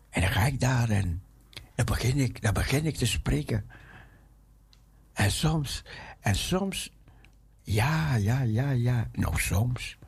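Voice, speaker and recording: A man preaching a sermon in a halting way, often repeating his phrases. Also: medium pitch, gravelly, husky.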